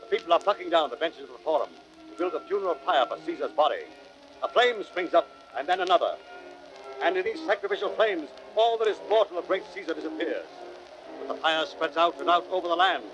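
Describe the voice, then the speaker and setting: An actor as the grave narrator of a Roman tragedy, delivering scripted dramatic narration on a dull old recording. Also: male voice, on the high side, natural voice.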